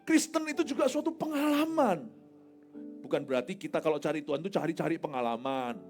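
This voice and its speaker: High-voiced animated preaching man. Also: a little fast, soft background music. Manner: animated, joking storyteller with big swings in pitch and loudness. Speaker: pastor. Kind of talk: sermon. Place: large evening crusade, outdoors or big venue.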